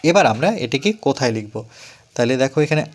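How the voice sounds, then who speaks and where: A man teaching a school math lesson, going through each step and repeating numbers slowly. He asks the students questions and then answers them himself. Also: mid-range voice, expressive, slight background noise.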